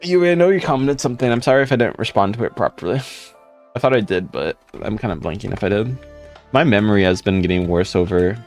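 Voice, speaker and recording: A young man with a deep voice, casually chatting with viewers on a live stream. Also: lively intonation, fast. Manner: laid-back, rambling, chatting to viewers. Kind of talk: casual live stream chat, reading comments. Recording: faint music in background.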